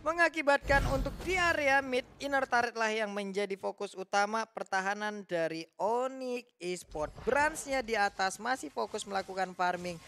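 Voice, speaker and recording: An esports caster with an Indonesian accent giving animated, colloquial live commentary and analysis of a game, with playful phrasing. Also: medium pitch, normal speed, hardly any pauses. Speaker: esports shoutcaster.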